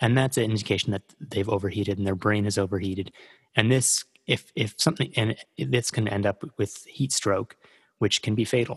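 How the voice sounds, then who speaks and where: A man talks at a fairly quick pace, somewhat breathy, with ordinary pitch variation and a dry, close sound with no echo. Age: 40s. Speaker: author and former competitive distance runner. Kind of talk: interview. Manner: halting, with repeated words.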